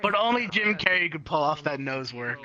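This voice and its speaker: A man in relaxed, jokey conversation with friends. His voice is on the high side and very animated, swinging widely in pitch as he gets excited. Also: a little fast, highs cut off. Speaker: VRChat roleplayer. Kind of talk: casual chat.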